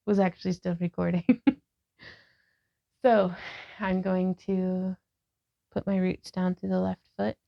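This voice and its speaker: 30s woman walking you through yoga poses, calm and gentle, bit of vocal fry, kinda muffled sound. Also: fairly low pitch, unhurried. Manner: calm, gentle cueing with breath prompts. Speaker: yoga vlogger and instructor. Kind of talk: guided yoga instruction. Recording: slightly dull lo-fi sound.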